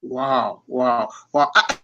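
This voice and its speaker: A man's voice: mid-range voice, fairly even intonation, very slow, pushed and bright, muffled recording. A man hosting a live radio interview in South African English, effusive and repeating his words. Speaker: radio host.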